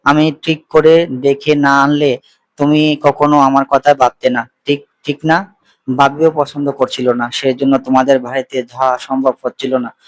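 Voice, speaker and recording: A man's voice: medium pitch, dry recording, natural voice. Reproachful young suitor on a phone call, read by a man in a dry, plain voice. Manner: insistent, emotional, mixing English phrases. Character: young man pleading with his sweetheart by phone.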